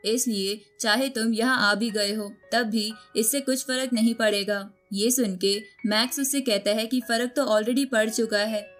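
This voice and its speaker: A woman reading a scripted story recap as a narrator. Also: a little high.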